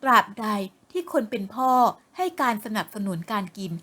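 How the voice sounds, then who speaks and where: A woman voicing a worried, exasperated middle-aged mother who speaks loudly. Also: on the high side, sing-song, normal speed, heavily acted. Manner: loud, exasperated.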